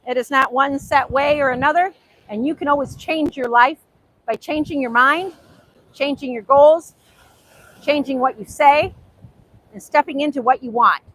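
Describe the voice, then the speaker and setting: Bright-voiced woman with a Hungarian accent. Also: high voice, normal speed, pauses often, slight background noise, poor audio. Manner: earnest, repetitive, carefully overpronounced words. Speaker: author and host. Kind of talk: motivational faith talk to camera. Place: outdoors at a beach.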